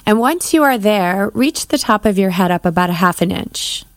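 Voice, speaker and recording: A woman leading a guided breathing meditation as a podcast host and coach, giving measured, soothing instructions with pauses. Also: medium pitch, lively intonation, no room sound.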